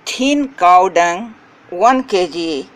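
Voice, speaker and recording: A woman whose first language is Hindi, hosting a gardening channel and giving slow step-by-step instructions in short phrases. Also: on the low side, animated. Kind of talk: step-by-step how-to narration.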